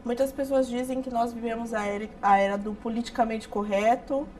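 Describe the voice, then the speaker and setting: A woman hosting a television interview who asks quick, emphatic questions. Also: on the high side, steady tone, darkish tone, a little hiss or hum. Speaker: TV interview host.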